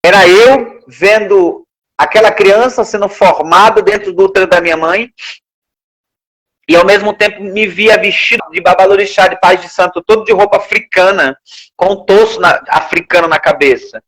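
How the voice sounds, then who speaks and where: A Brazilian man testifying in church, earnest and emotional. His voice sits high, and he circles back over his own words. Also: normal speed, fairly bright tone, rough recording. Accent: Brazilian Portuguese. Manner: earnest, emotional, repeats phrases.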